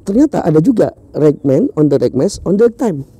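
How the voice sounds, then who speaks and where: A man talks fast and with a lot of animation, his pitch jumping high as he tells a story. His voice is dark, gravelly and a little husky. The recording is dry and close. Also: no echo. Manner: animated storytelling, slangy, with laughs. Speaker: business talk show co-host. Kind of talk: casual chat.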